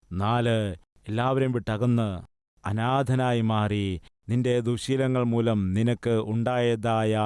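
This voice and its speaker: A man's voice: mid-range voice, darkish tone, smooth, no room sound, clean studio sound. A male pastor preaching a sermon with emphatic, direct address to his listeners.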